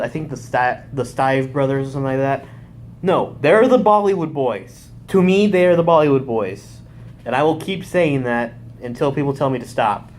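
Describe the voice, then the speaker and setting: A young man with a medium-pitched voice excitedly recaps a wrestling show in real time, drifting between points and correcting himself. Slight background noise is audible.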